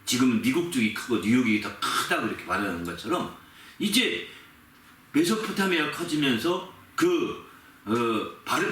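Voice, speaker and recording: A man's voice: medium pitch, fairly bright tone, a little hiss or hum. A man preaching a sermon as pastor, telling a story with animation and repeating key words for emphasis. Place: church sanctuary. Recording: echoey room, mic at a distance.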